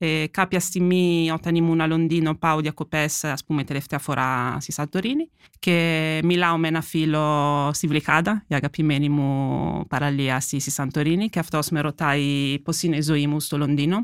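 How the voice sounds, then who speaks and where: With a very deep, low pitch, a woman speaks at a fairly slow pace and fairly even intonation, recorded very cleanly against a silent background in a dry, close sound with no echo. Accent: Italian. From Italy, near Milan. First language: Italian (speaking Greek). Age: 40s. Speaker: remote worker living on a Greek island. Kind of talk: interview, casual chat.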